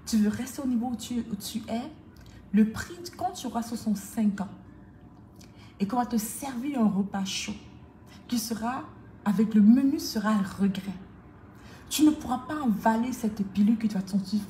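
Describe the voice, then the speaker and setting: A woman's voice: medium pitch, dark tone. A woman coach giving a motivational talk to the viewer, emphatic and repetitive in a preaching cadence. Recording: echoey room with faint noise.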